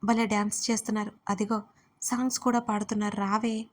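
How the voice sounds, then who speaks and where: A woman's voice: medium pitch, flat delivery, fast, close to an everyday voice. A woman voicing an easygoing young female friend in an audio story, coaxing and eager.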